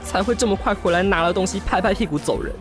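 A man's voice: high-pitched, fast talker, music in the background, lightly acted. A man with a Taiwanese Mandarin accent acting a jilted, sarcastic, hot-tempered gay lover in a modern radio drama. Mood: outraged, bitter. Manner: expressive, swearing, muttering to himself.

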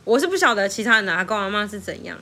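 Her Taiwanese Mandarin accent comes through as she talks rapid-fire in a medium pitch. The young woman keeps the casual conversation going with animated stories and plenty of laughter.

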